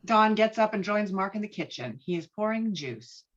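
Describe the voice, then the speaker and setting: Animated woman narrating, slightly dull audio. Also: mid-range voice, moderate pace. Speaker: narrator reading stage directions. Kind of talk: scripted narration.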